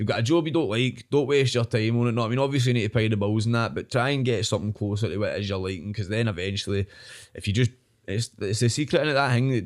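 Talking very fast, a man with a strong Scottish accent has a medium pitch and an animated tone with ordinary pitch variation. The recording is very clean, with a silent background. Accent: thick Scottish. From Scotland. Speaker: wrestler and streamer. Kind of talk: casual chat. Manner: animated, swears a lot.

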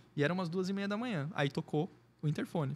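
A man's high-pitched voice at a fairly quick pace. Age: 40s. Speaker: firearms and airsoft instructor. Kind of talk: casual chat.

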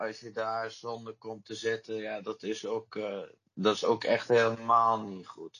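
The voice has a bright, sharp tone and monotone, flat intonation, with big swings in loudness. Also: man, medium pitch for a man, fairly slow pace. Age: 20s. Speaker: former bicycle repair shop owner. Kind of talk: casual conversation. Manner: halting, some stammering.

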